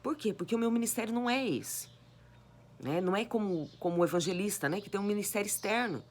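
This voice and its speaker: Hoarse woman preacher exhorting. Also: mid-range voice, fast. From Brazil. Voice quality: raspy, cracked voice. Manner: earnest, exhorting with repeated rhetorical questions. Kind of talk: sermon.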